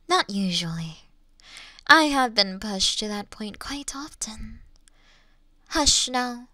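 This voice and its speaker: Refined, taunting monster lady played by a woman, Victorian fantasy roleplay. Unhurried, old-fashioned delivery, close dry sound. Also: medium pitch, bright, forceful tone, dry recording, exaggerated voice. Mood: amused, taunting, then condescending, teasing. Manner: slow, mocking, teasing, formal old-fashioned diction. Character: taunting, refined female monster toying with her hunter.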